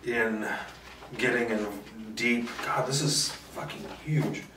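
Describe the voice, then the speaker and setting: A man's voice: mid-range voice, slow, background noise. A man doing a table read of screenplay directions, stumbling and rereading as he goes. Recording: roomy, distant microphone.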